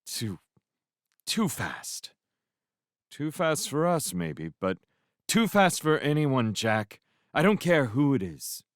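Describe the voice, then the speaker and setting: A man voicing an anxious young woman who speaks bitterly about someone rushing his work. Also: medium pitch, sing-song, dry recording, studio quality, voice pushed up. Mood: worried. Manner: tense, worried.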